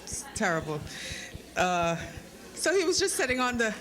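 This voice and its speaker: A woman's voice: on the high side, very animated, normal speed, fairly bright tone. A woman with a Trinidadian accent, an author speaking and reading her fiction to a live audience with careful phrasing and a playful manner. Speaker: author reading from own short story. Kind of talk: literary reading with informal introduction to a live audience. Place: live lecture event before an audience. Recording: live talk with clear background noise.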